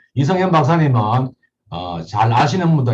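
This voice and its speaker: This man's voice is medium in pitch, somewhat breathy and dark and mellow in tone, with lively intonation. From Gyeongsang, South Korea (Gyeongsan, North Gyeongsang). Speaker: network marketing instructor. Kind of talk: lecture. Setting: video call.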